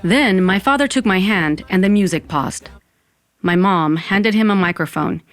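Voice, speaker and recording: A woman's voice: medium pitch, normal speed, soft background music, lightly acted. A woman playing a wry Latina narrator who tells her own story in an audio fiction podcast. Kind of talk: scripted first-person narration.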